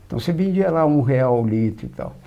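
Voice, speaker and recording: Over a lo-fi recording, an older journalist with a Minas Gerais Brazilian Portuguese accent, from São João del Rei, tells anecdotes fast in a creaky, mid-range voice. As an interview guest, he plays the lively storyteller and acts out the conversations he quotes.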